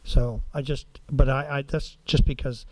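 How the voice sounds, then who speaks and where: A man's voice: mid-range voice, steady tone, measured pace, darkish tone, dry recording. A man giving informal, colloquial remarks as a council member in a public meeting.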